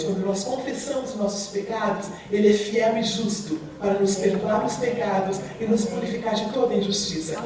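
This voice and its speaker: A woman giving an earnest testimony sermon in a church, speaking with emphasis and addressing the congregation warmly. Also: mid-range voice, slight background noise. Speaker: speaker at a church recovery program. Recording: very echoey hall, from far off.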